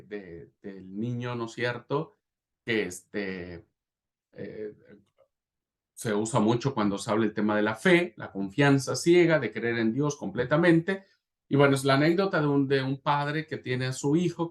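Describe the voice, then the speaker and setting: A man teaching a class on preaching, in a conversational lecture with frequent restarts and tag questions. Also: medium pitch. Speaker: preaching instructor. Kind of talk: classroom lecture on sermon technique.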